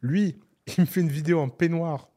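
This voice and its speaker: A man's voice: a little high, a little fast, warm tone. A man co-hosting a casual podcast, telling stories with animation and swearing freely. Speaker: podcast co-host.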